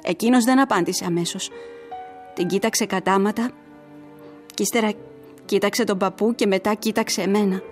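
A woman's voice: mid-range voice, pauses often, faint music behind, close to an everyday voice. An actress playing a grieving young woman who tells her story earnestly and emotionally, as in a letter read aloud in a radio drama.

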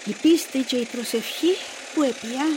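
An actress with a Cypriot Greek accent playing a devout, pious old mother who is gentle but stern. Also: high voice, background noise, lightly acted. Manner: pious, scolding, lively speech.

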